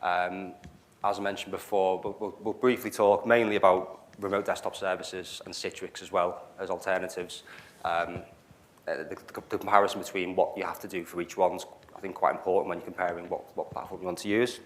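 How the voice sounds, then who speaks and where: A man's voice: deep voice, flat delivery, a little fast, a little hiss or hum. A man with a Liverpool accent presenting a tech talk to a meetup audience, hesitant, with many fillers. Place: meetup venue, live audience. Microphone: handheld mic.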